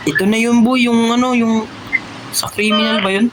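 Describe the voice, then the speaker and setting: An excited host in a game role-play who barks quick commands and repeats words. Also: mid-range voice, noisy background. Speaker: gamer host.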